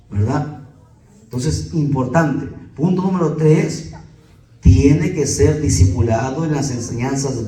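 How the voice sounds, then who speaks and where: A man's voice: on the high side, warm tone, recorded from a distance. Echoey preaching Peruvian man, rhetorical questions. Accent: Peruvian Spanish. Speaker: pastor. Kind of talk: preaching to a congregation.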